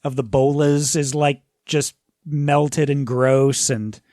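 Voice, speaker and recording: A man's voice: mid-range voice, steady tone, takes it slowly, darkish tone, no echo. Casual male game master, dry recording. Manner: informal, swearing. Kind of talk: casual improvised tabletop game narration.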